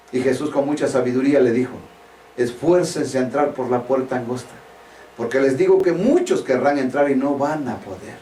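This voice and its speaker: A man's voice: mid-range voice, a little mellow, a little hiss or hum. A man preaching a sermon, earnest and direct, pressing listeners with emphatic questions. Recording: echoey room, voice from far off the mic.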